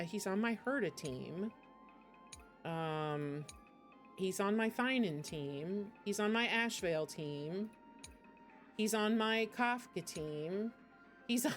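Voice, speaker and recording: Female game streamer, medium pitch, casual and rambling, giggly, clear music playing behind her. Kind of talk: casual live stream chat.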